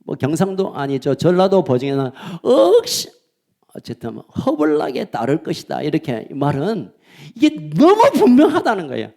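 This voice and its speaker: A man delivers a church sermon in a high, lively voice. He swings from loud, fervent proclamations to soft, confiding asides. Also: moderate pace, creaky. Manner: animated preaching, swinging between loud and soft. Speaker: pastor. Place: church sanctuary.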